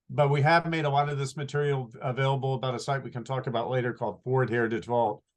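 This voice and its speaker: A man answering interview questions as a company archivist, informative and measured, full of detail. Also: medium pitch.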